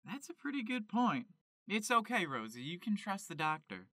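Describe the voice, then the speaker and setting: A man's voice: high-pitched, big pitch swings, normal speed, bright, forceful tone, no echo, studio quality, exaggerated voice. A man playing an earnest, naive young chicken farmer in a comedic audio drama.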